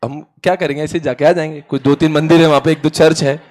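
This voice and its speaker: A man's voice: on the high side, steady tone, fast talker, a little mellow. A young man teaching law in a classroom lecture, playful and acting out quoted exchanges, mixing into his Hindi.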